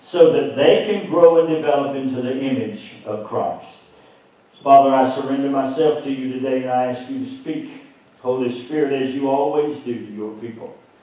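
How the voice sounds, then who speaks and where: A man at a moderate pace amid strong room echo, with big swings in loudness and ordinary pitch variation. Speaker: pastor. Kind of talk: sermon. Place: church. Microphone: camera far.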